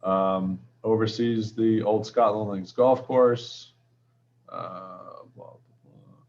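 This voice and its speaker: A man with a Boston-area accent speaking at a town commission meeting, halting with many fillers. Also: lowish voice, fairly even intonation, darkish tone. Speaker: commission member. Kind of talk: casual meeting talk. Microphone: video call. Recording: muffled video call audio.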